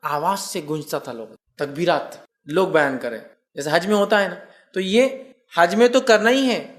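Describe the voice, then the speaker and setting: A male preacher whose voice sits a little higher than most men's. He explains carefully, repeats key phrases and slows down to recite devotional formulas. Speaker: Islamic preacher. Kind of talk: sermon.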